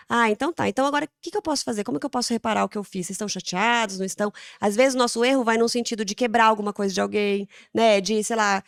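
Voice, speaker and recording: Fast-talking Brazilian woman, dry sound. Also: mid-range voice, gravelly, dry recording. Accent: Brazilian Portuguese. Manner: animated, acts out dialogues with her children. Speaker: guest on parenting podcast. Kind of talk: casual conversational answer.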